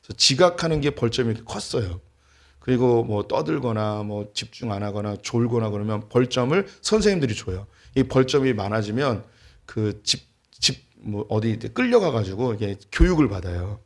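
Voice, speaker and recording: Middle-aged pastor preaching with humor. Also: male voice, mid-range voice, animated, normal speed. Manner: storytelling with light humor. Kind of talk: sermon. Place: church sanctuary.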